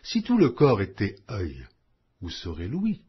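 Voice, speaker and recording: Slow, expressive man reading scripture. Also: on the low side, slightly rough. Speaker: audiobook Bible reader. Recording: dull lo-fi audio.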